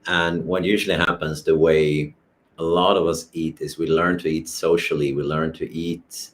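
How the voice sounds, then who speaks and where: Deep, low-pitched man from Sweden, calm and reflective co-host explaining things with everyday examples. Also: normal speed. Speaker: co-host of wellness masterclass. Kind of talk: explanatory casual talk.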